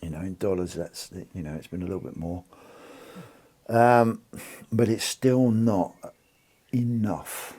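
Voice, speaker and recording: A man's voice: on the low side, measured pace, mellow. A British man hosting a precious metals channel, chatting casually and rambling with lots of restarts. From United Kingdom. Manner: rambling, restarts and fillers, informal. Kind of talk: casual chat to camera.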